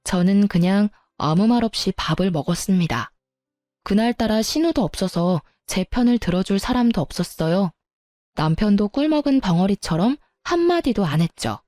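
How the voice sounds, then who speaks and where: A woman telling a first-person story in a plain, steady manner. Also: medium pitch, normal speed, no room sound, studio quality, faint music behind.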